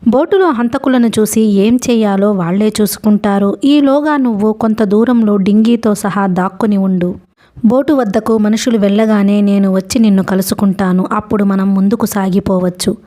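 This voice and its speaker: An earnest young boy who thinks fast and spins a tale, as a woman reads him in a storybook. His pleading voice stays close to her own. It sounds warm and mellow. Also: medium pitch, close to an everyday voice. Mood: planning. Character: resourceful young boy, quick fibber.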